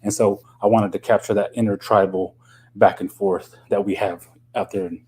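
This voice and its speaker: A middle-aged man from Oklahoma speaks in a lowish voice, easing through his answers as a novelist guest. He talks loosely, with lots of ums and you-knows. His pitch rises and falls in a lively way. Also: moderate pace, slightly rough. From Oklahoma, USA. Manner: thoughtful, loose, full of um and you know. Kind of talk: casual radio interview.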